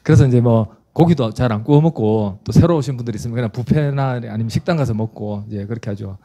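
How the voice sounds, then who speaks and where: A middle-aged man, a pastor preaching and telling a story in an animated way, with frequent restarts. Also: mid-range voice, fast. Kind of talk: sermon with storytelling.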